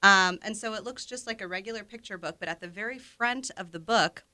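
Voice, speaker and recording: Woman co-host, bright and forceful tone, dry close mic, upbeat book chat. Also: mid-range voice, brisk, no room sound. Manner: enthusiastic, laughs often. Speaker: library podcast co-host.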